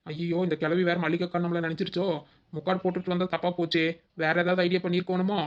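A woman plays a young village daughter-in-law in a cartoon comedy, scheming and exasperated. She mutters fretful asides in very rapid with a fairly low voice, recorded a little dully. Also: little pitch movement, lo-fi sound, a little hiss or hum, natural voice.

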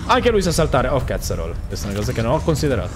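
A man's voice: medium pitch, sing-song, very fast, noisy background. A young man giving joking gameplay commentary and mocking the enemies on screen. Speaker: gaming YouTuber.

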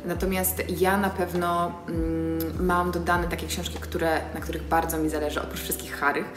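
A young woman with a fairly low voice talks to her phone camera from a bright living room, chatty and eager, filling pauses with little hesitation sounds. Her voice rings in the bare room, and music plays clearly underneath. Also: little pitch movement. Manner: chatty and enthusiastic, with many filler sounds. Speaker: vlogger. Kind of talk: casual vlog chat to camera. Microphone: phone camera on a tripod nearby. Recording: roomy echo with music behind.

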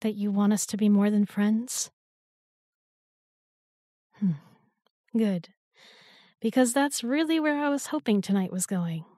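A woman's voice: mid-range voice, unhurried, long pauses, warm tone, dry recording, studio quality, natural voice. A young woman playing an affectionate, teasing new girlfriend in an intimate roleplay audio, with a playful, tender, coaxing manner.

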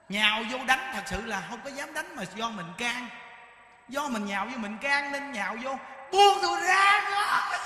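A man's voice: very high voice, reverberant, long reverb tail. A man giving a Buddhist dharma talk, telling stories animatedly and asking rhetorical questions. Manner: animated storytelling, acts out dialogue, rhetorical questions. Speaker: Buddhist monk teacher.

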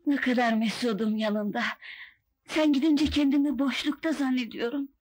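A woman's voice: high-pitched, steady tone, normal speed, darkish tone. An actress playing a devoted, emotional wife and protective mother, plaintive in an old melodrama film. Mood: tender.

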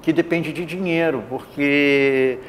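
An older actor sits for a studio interview on a lapel mic, his voice a touch higher than most men's. He muses aloud, breaking off and restarting sentences, with a faint noise floor beneath him. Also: fairly even intonation, slow pace. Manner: rambling, restarts mid-thought. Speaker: actor guest. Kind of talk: casual studio interview chat. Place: bright indoor TV studio, seated.

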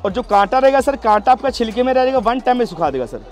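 High-voiced man giving a pushy sales pitch. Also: big pitch swings, fast, faint music behind. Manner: pushy salesman patter, calls listener sir constantly. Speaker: street seller at a fair. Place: outdoor fair stall.

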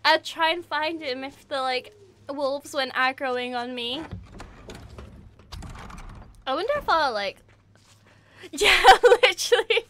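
A woman with a high, bright, clear voice, talking in an unhurried way between sudden excitable yelps and laughs. She comments on a video game as she plays it live on stream. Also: no echo.

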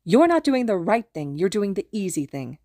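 A woman voicing a furious, foul-mouthed woman in an audiobook story, snapping forcefully and emphatically. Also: mid-range voice, very animated, normal speed, no echo, clean studio sound. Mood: furious, pleading.

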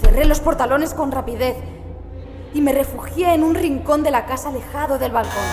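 A woman's voice: high-pitched, moderate pace. A woman narrating a first-person horror story in a theatrical, intense, dramatic manner. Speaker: audiobook narrator. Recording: echoey long reverb, music behind. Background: music.

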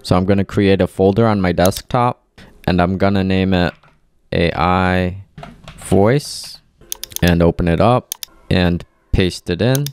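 A man narrating a step-by-step software tutorial as presenter, instructing clearly and methodically into a close mic. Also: low-pitched, a little slow, slight background noise.

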